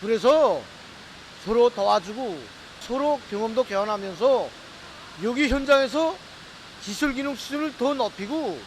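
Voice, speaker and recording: A man's voice: extremely high pitch, lively intonation, measured pace, a little hiss or hum, rough recording. A man with a North Korean accent speaking assertively and rousingly in a workplace interview. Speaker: steelworks interviewee.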